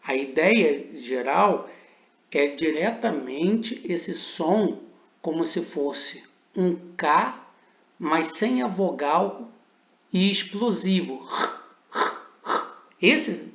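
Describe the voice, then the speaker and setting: A man with a Brazilian Portuguese accent teaching Greek pronunciation in a recorded lesson, slowly sounding out words and syllables for the student to repeat. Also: on the high side, expressive, fairly bright tone. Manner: slow, deliberate pronunciation drills with repetitions. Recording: roomy, dull lo-fi recording.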